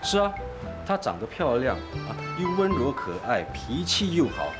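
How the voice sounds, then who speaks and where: A man's voice: mid-range voice, very animated, normal speed, lightly acted. An actor playing a sincere, idealistic young man talking about love in a TV drama. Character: earnest romantic young man. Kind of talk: TV drama acting. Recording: dialogue under loud guitar music.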